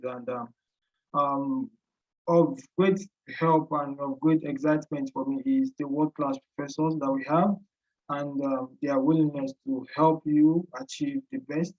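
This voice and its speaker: A Nigerian-accented man speaks in a formal, measured way, circling back to the same phrases as he gives advice. His voice sits at a middle pitch, and the recording sounds a bit dull. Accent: Nigerian English. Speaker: guest, graduate student and teacher. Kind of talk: interview answers, giving advice.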